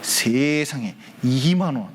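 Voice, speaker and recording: A man's voice: medium pitch, takes it slowly, background noise. A male pastor telling a story to children at church, often stopping to ask them questions. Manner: lively, asks the children questions. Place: church hall.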